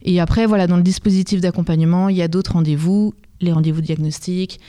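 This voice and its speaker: A woman's voice: lowish voice, fairly even intonation, fast, warm tone. A woman answering as an interview guest for a music venue, explaining things in a conversational, welcoming way.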